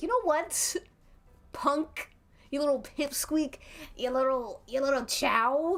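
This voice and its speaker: This put-on character voice is gruff and moves at a fairly slow pace, broken by long, frequent pauses. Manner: angry, aggressive.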